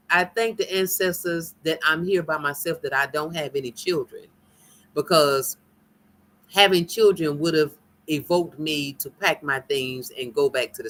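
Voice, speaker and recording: Slow, bright-voiced African American woman. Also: on the low side. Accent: African American English. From United States. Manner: animated, laughing, teasing, folksy. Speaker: live-stream host chatting with viewers. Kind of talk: casual live-stream chat. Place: home in Nigeria.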